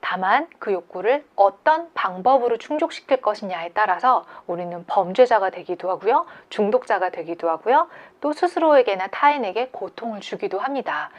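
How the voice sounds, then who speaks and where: A woman delivers a lecture in a calm, steady voice. She explains ideas patiently and asks her listeners questions as she goes. Her pitch sits in the middle for a woman. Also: moderate pace, few pauses. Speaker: creativity lecturer. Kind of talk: scripted online lecture.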